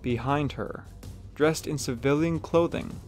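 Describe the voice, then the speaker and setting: A man's voice: on the high side, unhurried, darkish tone, faint music behind. A man reading scripted story narration for an audio drama.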